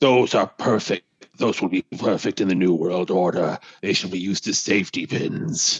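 Using a put-on character voice, a man speaks at a moderate pace in a guttural, very deep, low register. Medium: actual play. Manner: gloating, menacing.

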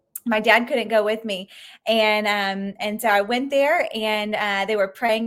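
A woman speaks with a Southern US accent at a fairly high pitch, her intonation fairly even. The recording is very clean, with a silent background. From Arkansas. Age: 20s. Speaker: political candidate. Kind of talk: interview.

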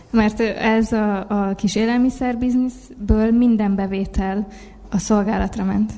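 With a Hungarian accent, a woman speaks at a fairly slow pace in a fairly high voice with monotone, flat intonation. Noticeable background noise can be heard. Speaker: interpreter. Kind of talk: interpreted sermon.

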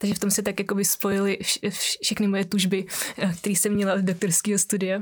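Here a woman talks very fast at a medium pitch. Her intonation is monotone and flat, and her loudness stays very even. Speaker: physics doctoral student. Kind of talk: interview.

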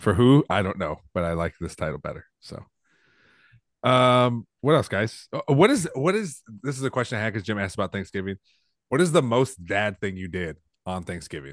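The speech moves at a fairly quick pace, with very wide pitch swings. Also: man, fairly low pitch for a man. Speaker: podcast host. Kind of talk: casual banter. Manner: laughs often, jokey.

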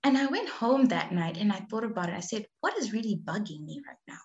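This woman has a fairly high pitch. Her voice is somewhat breathy. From Zimbabwe. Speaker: environmental scientist. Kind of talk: casual chat. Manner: animated.

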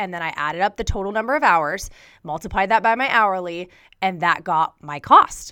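This is a very clean recording with a silent background. A woman talks at a medium pitch with ordinary pitch variation. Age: 30s. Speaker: podcast host and interior designer. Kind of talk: casual solo monologue. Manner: casual.

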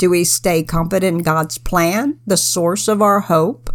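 A woman's unremarkable speaking voice, fairly low-pitched and fairly slow, on a very clean recording with a silent background. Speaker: co-host. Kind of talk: casual devotional commentary.

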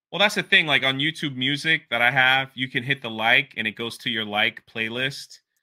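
A man with an American accent has an unremarkable speaking voice, a medium pitch, ordinary pitch variation, and a moderate pace with hardly any pauses. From US East Coast (Washington DC, Miami). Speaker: podcast host. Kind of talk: casual interview chat. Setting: livestream video call.

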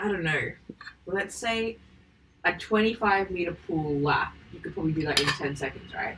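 The pitch varies in an ordinary way. Background noise is noticeable. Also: woman, fairly low pitch for a woman, moderate pace. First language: Hindi. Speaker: podcast co-host. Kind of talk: casual chat.

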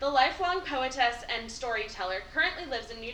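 A woman talks at a fairly quick pace in a high voice with lively intonation, over noticeable background noise. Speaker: podcast co-host. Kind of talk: casual chat, poetry guessing game.

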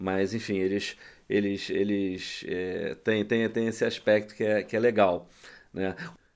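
The delivery is monotone and flat in intonation, at a fairly slow pace. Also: man. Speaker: podcast co-host. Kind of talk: casual chat.

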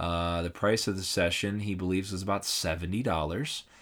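A man speaks with an American accent in an ordinary speaking voice, pitched fairly low. The recording is very clean, with a silent background. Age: 40s. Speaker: podcast co-host. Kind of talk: casual podcast chat.

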